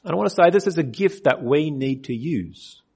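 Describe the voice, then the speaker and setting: A man preaching an earnest sermon, his voice a little husky and pitched a touch high. He reads scripture aloud and asks his listeners direct questions as he explains it. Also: animated, moderate pace, a little mellow. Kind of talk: sermon on a Bible passage.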